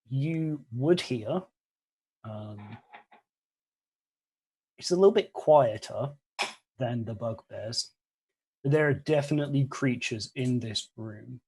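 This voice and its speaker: A man's voice: medium pitch, a little mellow, slightly rough, low-quality recording. A young man casually improvising narration as game master of a tabletop game, explaining things informally over a video call. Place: indoor room at home, on a video call.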